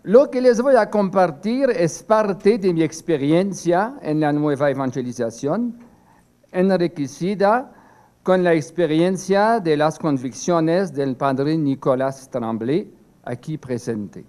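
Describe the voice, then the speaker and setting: An older male priest, a native French speaker, reads a seminar talk from a prepared text. His fairly high voice is warm and expressive, but the delivery is slow and halting, with many pauses and restarts.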